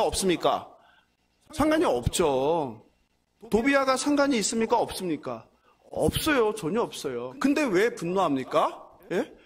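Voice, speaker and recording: A male pastor preaching a sermon, asking the congregation questions and answering them himself, and sometimes acting out the mocking voices of the enemies in the passage. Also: high-pitched.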